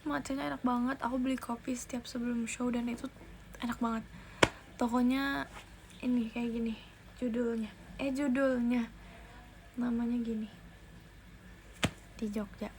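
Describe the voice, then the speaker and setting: A young woman talks casually into her phone on a livestream. She is chatty and often restarts her sentences. Her voice sits fairly high, and faint noise runs under the recording. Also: flat delivery, moderate pace, long pauses. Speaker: idol livestreamer.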